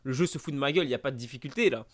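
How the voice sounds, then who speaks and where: A man's voice: mid-range voice, rapid-fire. A young man commenting on a language-guessing game, mock-exasperated and sarcastic. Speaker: gaming YouTuber. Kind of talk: casual let's-play commentary.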